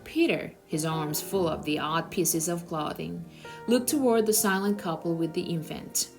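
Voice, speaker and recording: A woman narrates a children's novel aloud at a moderate pace, her slightly low voice having a gravelly quality. Soft music plays behind her reading.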